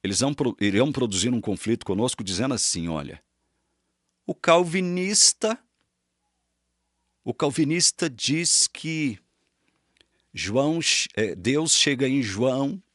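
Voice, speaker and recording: A man preaching Reformed doctrine with strong emphasis, repeating key phrases. His pitch rises and falls widely from line to line. The sound is dry and close, with no room echo. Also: lively intonation, slow pace, long pauses, fairly bright tone. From Brazil. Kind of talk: doctrinal teaching talk.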